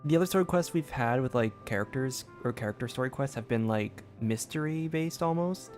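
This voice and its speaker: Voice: medium pitch, animated, brisk, darkish tone. Casual streamer musing over game music.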